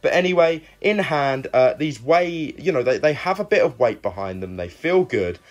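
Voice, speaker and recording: A man's voice: on the high side, animated, moderate pace, highs cut off. A young man giving a casual, conversational product review, talking directly to his viewers. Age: young adult. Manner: conversational, addresses viewers as guys. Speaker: video reviewer and host.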